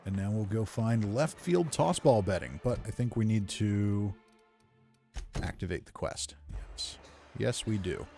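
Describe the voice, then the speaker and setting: Male let's-play narrator: relaxed dark tone, easygoing, thinks aloud, soft music underneath. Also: on the low side, unhurried. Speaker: gamer narrating playthrough. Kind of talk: casual game commentary.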